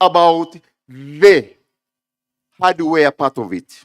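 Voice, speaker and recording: The sound is dry and close with no echo as a man speaks at a very slow pace. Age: 60s. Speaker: workshop speaker. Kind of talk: conference talk.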